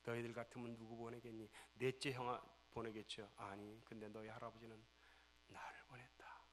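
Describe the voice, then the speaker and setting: A pastor in his forties preaching a sermon, telling a personal story and acting out the dialogue, dropping to a hush and then rising loud. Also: medium pitch, completely flat delivery, a little fast, slight background noise. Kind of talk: sermon testimony. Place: church.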